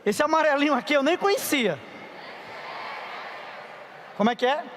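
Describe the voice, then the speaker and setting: High-voiced preacher in a big echoing hall. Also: male voice, expressive, moderate pace, a bit bright, a little hiss or hum. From Paraíba, Brazil. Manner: chatty, playful, asks the audience for help. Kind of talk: youth conference sermon. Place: large conference hall. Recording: reverberant hall.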